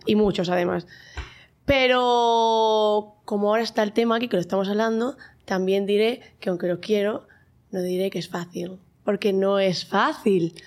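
A woman's voice: mid-range voice, steady tone, moderate pace, a little mellow. A woman in her thirties with an accent from Spain, chatting casually and animatedly as a podcast guest, colloquial and self-mocking. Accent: Spanish, from Spain. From Murcia, Spain. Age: 30s. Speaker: podcast guest, mother and influencer.

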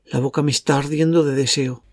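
A man's voice: mid-range voice, fairly even intonation, fairly quick, echoey room, lightly acted. A man playing a lustful, cocky werewolf in an audio drama, narrating his night in a crude, self-satisfied way. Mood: eager, lustful. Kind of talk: audio fiction acting with first-person narration.

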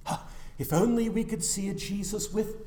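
A male pastor delivering an animated, emphatic sermon. His words swing between loud declarations and sudden quiet drops, with a roomy church echo around him. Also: high-pitched, normal speed.

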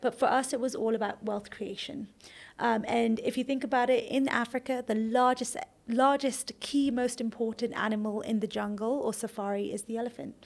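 A young adult woman from Kenya, a startup founder, answering interview questions in a relaxed, conversational way with occasional fillers. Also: fairly high pitch, normal speed. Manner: conversational, explains at length with fillers and restarts.

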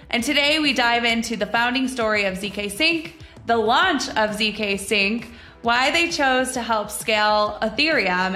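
Woman, host, fairly high voice, upbeat and polished, echoey room, faint music behind. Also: pushed and bright. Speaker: podcast host. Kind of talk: scripted introduction and interview questions.

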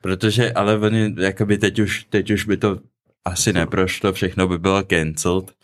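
A man's voice: deep voice, flat delivery. A young man co-hosting a casual podcast, telling stories with animation and lots of slang. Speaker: podcast co-host. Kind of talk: casual chat.

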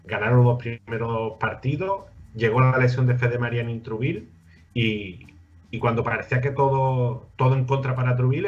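A man runs through the latest basketball news in a loose, unscripted way, pausing and restarting as he talks. His voice sits in an ordinary middle pitch, and the recording sounds dull and lo-fi. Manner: halting, searches for words mid-sentence. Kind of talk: informal news roundup over on-screen graphics.

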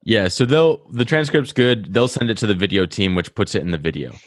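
A man's voice: on the low side, expressive, brisk, no echo, studio quality. A man with a Rhode Island accent, talking eagerly and at length on a podcast, often restarting his sentences. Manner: talkative, enthusiastic, self-interrupting. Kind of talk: casual podcast chat.

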